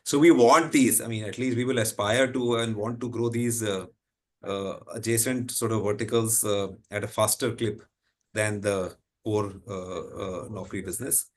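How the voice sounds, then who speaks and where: A man's voice: lowish voice, steady tone, moderate pace. A man with an Indian accent giving unscripted executive answers on an earnings call, rephrasing as he explains and tagging points with "right?". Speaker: company executive answering analysts.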